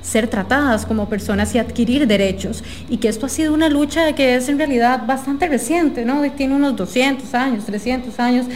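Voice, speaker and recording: A woman, talking thoughtfully and softly as a guest in a casual interview. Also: high-pitched, fairly quick, few pauses, a little hiss or hum. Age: 30s.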